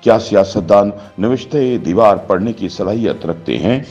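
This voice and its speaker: Lower-voiced man reading formal news. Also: darkish tone, muffled recording, faint music behind. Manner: formal, measured reading of a political commentary. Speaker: news narrator. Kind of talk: scripted news voice-over.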